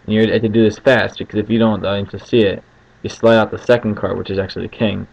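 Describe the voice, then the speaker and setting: A man's voice: lowish voice, little pitch movement, quick pace, creaky. A man giving casual card magician patter as he explains a trick step by step, often checking in with short tag questions. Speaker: card trick tutorial host. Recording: muffled lo-fi home recording with faint noise.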